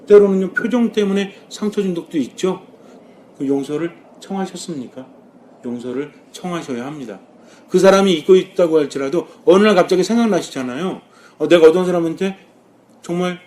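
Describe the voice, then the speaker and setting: Questioning Catholic priest giving a sermon. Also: male voice, high-pitched, a little hiss or hum. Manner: asks the congregation questions and answers them himself; lively, rising and dropping with emphasis.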